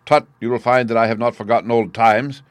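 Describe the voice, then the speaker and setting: A man voicing an older country gentleman in an audiobook, hearty on the surface but guarded and uneasy. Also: mid-range voice, fairly even intonation, brisk, dry recording, close to an everyday voice.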